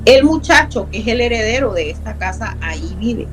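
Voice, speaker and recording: Middle-aged woman, emphatic storyteller, a touch high, faint music underneath. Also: expressive, moderate pace, low-quality recording. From Honduras. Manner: earnest and emphatic, repeats words for stress. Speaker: guest telling a true haunting story. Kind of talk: personal storytelling in a conversation.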